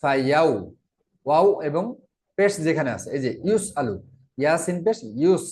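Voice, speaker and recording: A man's voice: on the high side, expressive, darkish tone. Patient man teaching Quran recitation. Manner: patient, repeats letters and syllables slowly for learners. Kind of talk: tajweed lesson, reciting and explaining pronunciation.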